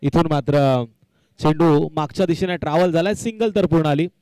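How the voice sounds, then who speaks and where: A man's voice: a little high, fairly quick, warm tone, smooth, no room sound. A man giving live commentary and announcements at a local cricket tournament, emphatic and fond of repeating phrases for effect.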